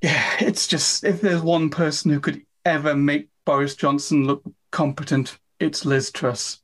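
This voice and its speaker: A woman's voice: low voice, fairly even intonation, unhurried. A woman, an author talking as a guest in a casual interview, chatty and enthusiastic with a self-deprecating streak. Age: 50s.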